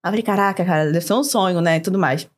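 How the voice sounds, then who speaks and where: A young woman from Brazil with a Rio de Janeiro accent, telling a story as a podcast guest in an animated way, laughing often and acting out quoted lines. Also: on the low side, racing. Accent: Rio de Janeiro Portuguese. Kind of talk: casual storytelling.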